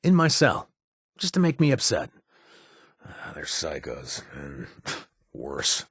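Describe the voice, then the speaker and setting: An actor playing a wry, self-deprecating former raider turned bartender in a video game, halting with fillers in a husky voice. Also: male voice, a bass voice, wildly swooping pitch, dry recording, studio quality, full character voice. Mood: easygoing, wry. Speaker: game companion character. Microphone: studio mic.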